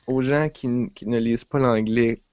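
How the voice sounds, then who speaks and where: A man with a Quebec French accent talks loosely on a podcast, circling back on his words with fillers and restarts. His voice sits at a middle pitch. The recording is dry and a little dull. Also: fairly even intonation, normal speed, a little mellow, dry recording. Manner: rambling, many restarts and fillers. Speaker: podcast co-host. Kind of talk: casual chat.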